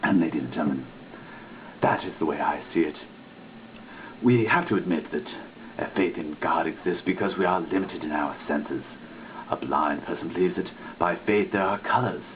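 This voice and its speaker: A man with a very low voice reads a written text aloud with a theatrical, emphatic delivery. The sound is thin and tinny like a phone line, with a faint hiss behind it. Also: normal speed. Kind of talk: dramatic reading.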